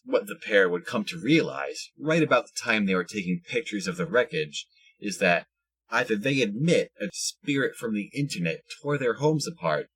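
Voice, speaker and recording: A man with a husky voice reading scripted narration for an audio drama. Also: fairly low pitch, fairly bright tone, low-quality recording.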